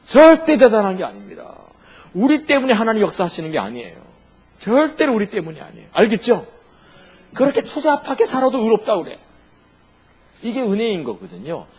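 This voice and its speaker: A man's voice: sits high, wildly swooping pitch, fairly quick, long pauses, husky. A man preaching a sermon as a pastor, asking the congregation questions and answering them himself.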